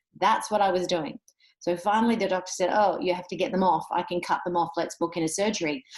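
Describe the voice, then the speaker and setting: At a very fast pace, a woman speaks with a medium pitch and ordinary pitch variation. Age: 50s. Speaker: voice coach and performer. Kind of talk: interview. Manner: animated.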